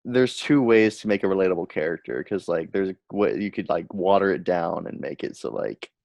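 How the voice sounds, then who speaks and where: Man, podcast co-host, very low voice, dry sound, thinks aloud mid-sentence. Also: expressive, moderate pace, vocal fry, a little mellow, no room sound. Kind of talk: casual podcast chat.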